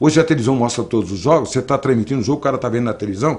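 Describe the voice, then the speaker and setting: Over a quiet background, a man talks at a very fast pace in a somewhat breathy voice. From southern Brazil, Blumenau (Santa Catarina). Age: 60s. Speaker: sports radio commentator. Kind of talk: interview. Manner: animated.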